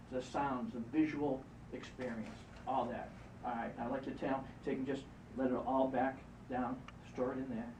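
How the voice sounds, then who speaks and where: A hypnotist guiding a volunteer through a live exercise, repeating encouraging instructions. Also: male voice, medium pitch, noisy background. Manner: coaching, repetitive, encouraging. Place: event room. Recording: roomy, distant, muffled live event recording.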